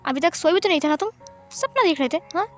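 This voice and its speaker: A woman voicing a stern, irritable aunt who scolds and nags with sharp questions, in a storybook reading. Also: very high-pitched, animated, quick pace, soft background music, voice pushed up. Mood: scolding.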